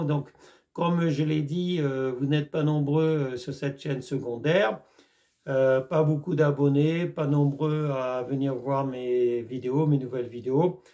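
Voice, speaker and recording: A man's voice: a little high, warm tone. A man chatting casually to camera about a film he watched, rambling with many hesitations and calling his viewers his friends. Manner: rambling, many hesitations, repeats "mes amis". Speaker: YouTube film reviewer.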